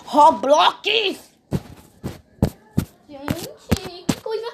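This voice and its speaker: A woman with a Brazilian accent giving excited, exclamatory gameplay commentary to her viewers. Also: high voice, slight background noise. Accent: Brazilian Portuguese. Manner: animated, exclamatory, talks to viewers. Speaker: gaming video host.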